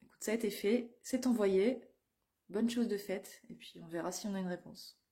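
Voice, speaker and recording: A middle-aged woman from France talks casually to her viewers about her teaching. She sounds eager and chatty, with plenty of hesitations. Her pitch sits in an ordinary middle range. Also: normal speed, mellow. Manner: chatty, enthusiastic, many fillers. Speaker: English teacher. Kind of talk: casual vlog to camera.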